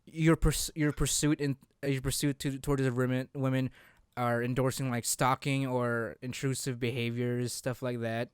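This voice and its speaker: A man's voice: mid-range voice, flat delivery, moderate pace, smooth, dry recording, clean studio sound. A man talking casually as co-host of a gaming discussion, a little hesitant and often repeating himself. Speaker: co-host of a video game discussion show. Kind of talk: casual chat.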